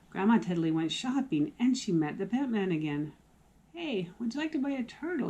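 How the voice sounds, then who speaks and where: A woman's dark, mellow tone with lively intonation. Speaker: grandmother reading to grandchildren. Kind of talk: children's story reading.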